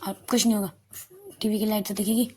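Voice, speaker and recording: A woman's voice: mid-range voice, fairly even intonation, fast talker, a little mellow, slightly rough, lightly acted. A woman voicing a carefree young woman who bosses and teases in a casual way. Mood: bossy.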